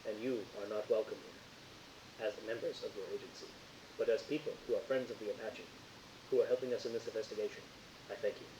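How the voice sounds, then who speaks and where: A man voicing a solemn, dignified tribal representative who speaks formally and gravely in a tabletop game. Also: mid-range voice, dark tone, pitched below the performer's own voice, close to an everyday voice. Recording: dull roomy audio with faint hiss.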